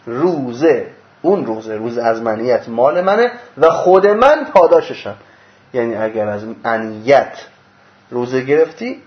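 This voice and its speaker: This religious teacher lectures on mystical matters, walking through a diagram as he speaks. His delivery lurches from loud bursts to low murmurs, and he answers his own rhetorical questions. The sound quality is dull and lo-fi.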